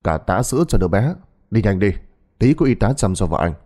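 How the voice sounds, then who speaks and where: A man's voice: fairly low pitch, very animated, darkish tone. A man doing a brusque older country doctor. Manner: brisk, matter-of-fact, teasing.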